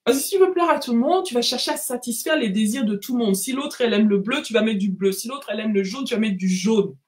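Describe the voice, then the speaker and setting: A French woman, a life coach, giving a lively, animated motivational talk on a live stream and mixing English phrases into her speech. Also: on the high side, quick pace. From France. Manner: lively, repeats words, mixes in English phrases.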